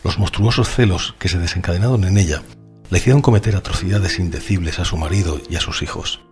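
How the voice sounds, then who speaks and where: A man's voice: low-pitched, quick pace, darkish tone, natural voice. A man playing a grave storyteller who recounts a macabre legend in a scripted horror audio drama. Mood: grave, ominous. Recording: music behind the voice.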